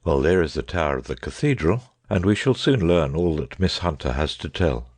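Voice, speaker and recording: A man reading the lines of a grave, lecturing male detective in an audiobook, in a husky voice, measured and darkly earnest. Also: very deep voice, expressive, darkish tone, no echo, pitched below the performer's own voice, exaggerated voice. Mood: calm. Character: grave, brooding male detective, middle-aged.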